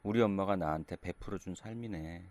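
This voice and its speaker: A middle-aged male pastor giving a sermon, speaking gently and conversationally in short phrases. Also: low voice, fairly quick, no room sound.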